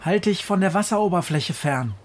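A man voicing a bold, commanding witch in a storybook reading, raising his voice into a higher register. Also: animated, unhurried, fairly bright tone, slight background noise. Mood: calm. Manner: commanding, calls out over a storm. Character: bold old witch on a broomstick. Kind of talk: storybook voice acting.

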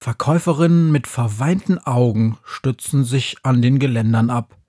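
Husky male audiobook narrator. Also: mid-range voice, moderate pace, dark tone, no echo, clean studio sound. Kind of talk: audiobook narration of a children's story.

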